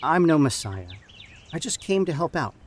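An actor playing an earnest, encouraging church camp youth leader who haltingly repeats and restarts his phrases in an audio drama. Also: on the high side, big pitch swings. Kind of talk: improvised-sounding audio drama dialogue. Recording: outdoor background noise with birdsong.

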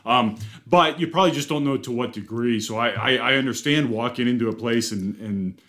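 A man's voice: mid-range voice, brisk, a bit bright. A man co-hosting a casual podcast from a car dealership, talking in a loose, rambling way with lots of restarts and self-deprecating jokes. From Ohio, US.

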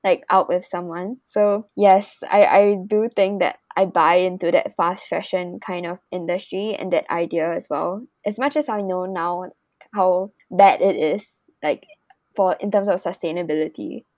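A woman's voice: lowish voice, fairly even intonation, a little slow, darkish tone, no room sound. A young woman, hosting a student podcast in an informal, conversational way. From Singapore. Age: young adult. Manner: informal, peppers speech with "like". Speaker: podcast host.

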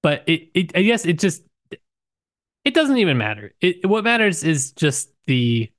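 A man's voice: on the high side, very animated, moderate pace, a bit bright, dry recording, studio quality. A man co-hosting a podcast, casually discussing a book in a joking, loosely worded way. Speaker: podcast co-host.

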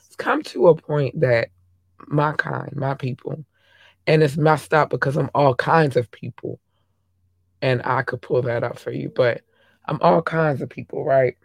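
Hoarse, gravelly man ranting. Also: mid-range voice, fairly even intonation, a little slow, dry recording. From United States. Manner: emphatic, repeats words, swears, bursts louder on key points. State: hoarse, losing his voice. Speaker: vlogger commenting on a news clip. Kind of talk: casual talk-to-camera commentary. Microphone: own mic at his desk.

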